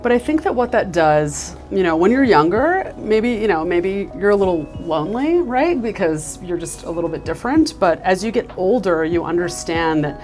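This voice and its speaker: A woman's voice: on the low side, lively intonation, moderate pace, few pauses, a little mellow, soft background music. A woman from the United States, a marketing executive, talking enthusiastically in an interview with many fillers like "you know" and "like.". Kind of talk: casual interview.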